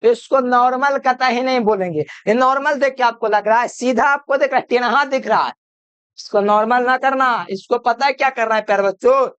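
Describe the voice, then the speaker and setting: A man's voice: very high voice, moderate pace, a bit bright, smooth, dry recording, lo-fi sound. A man giving a chemistry video lecture, repeating each point and quizzing the listener with call-and-answer questions. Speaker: chemistry teacher. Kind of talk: classroom-style video lecture.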